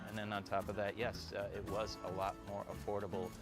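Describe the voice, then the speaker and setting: A middle-aged man from Iraq, a small business owner, speaking reflectively in a documentary interview with many pauses and fillers. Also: lowish voice, completely flat delivery. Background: background music.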